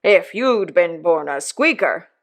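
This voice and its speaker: A woman voicing a pompous, self-satisfied older uncle who lectures slowly and emphatically. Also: on the low side, expressive. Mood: pompous lecturing.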